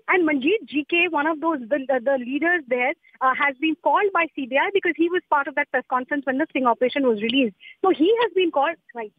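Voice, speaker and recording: An Indian-accented woman correspondent gives an unscripted live report in a high voice. She explains emphatically, repeating phrases, over a dry, band-limited phone line. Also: fast, few pauses, dry recording. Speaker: news correspondent. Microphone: telephone. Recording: muffled narrow phone line.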